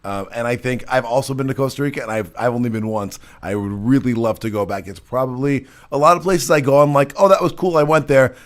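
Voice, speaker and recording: A man's voice: mid-range voice, quick pace, hardly any pauses. An American man in his thirties hosting a podcast interview, talking loosely and casually and now and then swearing. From United States. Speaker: podcast host.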